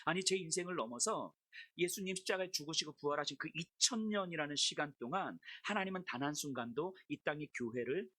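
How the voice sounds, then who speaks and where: Middle-aged woman pastor, sermon; husky, bright tone, very lively pitch, storytelling delivery. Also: fairly quick, no echo. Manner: personal storytelling, shouting her remembered complaints.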